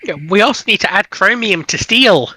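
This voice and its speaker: Very bright-voiced man, dry sound. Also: high voice, lively intonation, normal speed, no room sound. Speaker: panelist. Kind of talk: casual chat.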